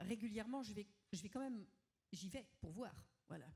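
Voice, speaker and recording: A woman speaks fairly slowly in a fairly high, somewhat breathy voice. Her tone is dark and mellow, and her intonation lively. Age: 60s. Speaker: children's and youth author. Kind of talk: conference panel discussion.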